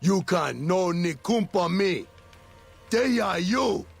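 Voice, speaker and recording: A raging tribal war chief. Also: male voice, sits high, expressive, takes it slowly, gravelly, slightly rough, dry recording, exaggerated voice. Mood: enraged. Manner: shouting threats in broken English. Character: furious tribal war chief, man, broken speech. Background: game music.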